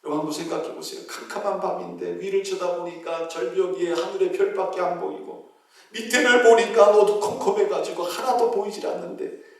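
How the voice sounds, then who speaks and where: A middle-aged male pastor preaching a sermon, telling a story and acting out the shouts and prayers of its characters. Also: high voice. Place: church sanctuary. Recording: echoey church hall from a distance.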